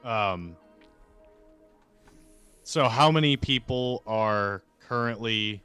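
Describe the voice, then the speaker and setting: A man playing a tabletop game, casually talking through his next move in deliberate, broken phrases. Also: fairly low pitch, sharp tone, clean tone, faint music behind.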